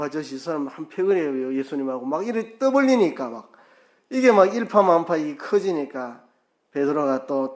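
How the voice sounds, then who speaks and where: A man preaching a sermon as pastor, telling the story lively and acting out quotes, with his voice rising loud and dropping soft. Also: mid-range voice. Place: church sanctuary.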